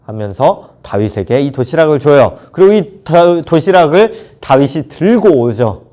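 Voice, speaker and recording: A young man, a children's ministry pastor, telling a Bible story to kids in an animated storytelling way and acting out the characters. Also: fairly high pitch, normal speed. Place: church, recorded alone. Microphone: camera mic, unmasked solo recording.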